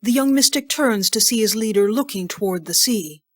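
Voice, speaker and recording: A woman's voice: mid-range voice, expressive, moderate pace. Female narrator: mid-range voice, reads scripted audio drama scene descriptions.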